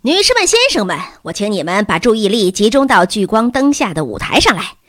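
Brief: loud, cocky boy emcee, big announcing voice; woman narrator putting it on. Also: huge pitch swings, a little fast, breathy edge, no echo, studio quality, full character voice. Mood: showy. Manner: booming showman announcing. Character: brash loud male show host, a schoolboy.

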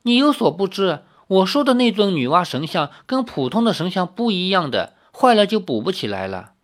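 A man puts on a spirited young tribal girl, high and lively in pitch. She sounds cheeky and quick to defy anyone in her way. Her lines come from a spoken storybook reading. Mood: earnest.

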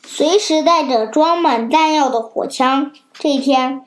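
Slow high-pitched child storyteller. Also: female voice. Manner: slow, careful storybook reading. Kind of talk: reading a children's fable aloud.

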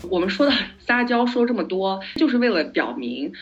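In a relaxed, casual chat, a woman podcast host tells stories with lively energy, slipping English words in and speaking fairly quickly at a middle pitch. Music plays beneath her, and the recording is somewhat muffled, dull, and lo-fi.

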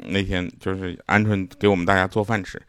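A man doing a stand-up joke monologue, telling anecdotes with deadpan punchlines and self-mocking, rambling asides. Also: low-pitched, fairly quick, clear, resonant tone. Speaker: comedian.

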